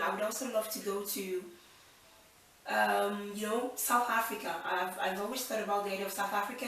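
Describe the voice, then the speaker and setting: A woman's voice: mid-range voice, fairly bright tone, very echoey, far from the mic, a little hiss or hum, poor audio. A woman in her twenties from Nigeria hosting a casual Q&A vlog, chatty and upbeat, thinking aloud with fillers. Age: 20s. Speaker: channel host.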